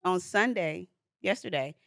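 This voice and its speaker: Woman, forties, podcast co-host, animated storyteller, bright voice, dry mic. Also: fairly low pitch, unhurried, vocal fry, no room sound. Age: 40s. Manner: animated storyteller who laughs easily. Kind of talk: casual chat.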